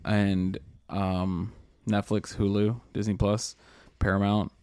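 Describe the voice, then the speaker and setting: A man's voice: lowish voice, little pitch movement, slow pace, a little mellow, clear, resonant tone, no echo, studio quality. A man co-hosting a podcast, joking in a laid-back, sleepy way late at night. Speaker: podcast co-host. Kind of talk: casual chat.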